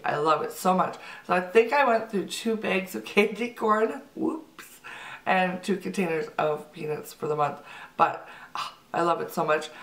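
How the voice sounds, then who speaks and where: A woman's voice: on the low side, fairly bright tone, roomy sound, recorded from a distance. A woman in her thirties, congested from a cold, chatting upbeat to camera about her monthly favorites. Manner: chatty, upbeat, lots of fillers. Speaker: vlogger. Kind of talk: casual chat to camera.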